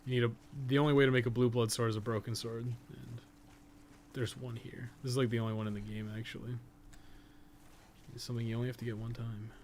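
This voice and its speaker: A man with an average-pitched voice talks through a video game in a casual, unscripted way. He rambles and thinks aloud, swearing mildly now and then. There is some faint noise behind him. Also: little pitch movement, fast talker, darkish tone. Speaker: podcast co-host playing a video game. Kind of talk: casual off-the-cuff game commentary.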